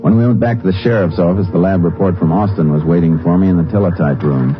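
A man playing a steady, businesslike Texas Ranger in 1950s radio drama, with terse, matter-of-fact delivery. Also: deep voice, quick pace, natural voice. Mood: grave, assured. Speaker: actor, lead and narrator. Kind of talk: 1950s western detective radio acting. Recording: dull old radio recording with music.

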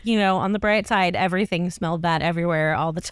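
A woman hosting a podcast, relaxed and easy to laugh, chatting and then closing the show. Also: fairly low pitch, quick pace, clean tone, no room sound. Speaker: podcast host. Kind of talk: casual chat and show outro.

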